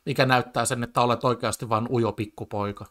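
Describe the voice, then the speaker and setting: A man's voice: mid-range voice, fairly even intonation, a bit bright. Agitated man ranting over a debate clip. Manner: agitated, full of stammered restarts and fillers. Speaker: commentator reacting to a TV debate clip. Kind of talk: casual spoken commentary.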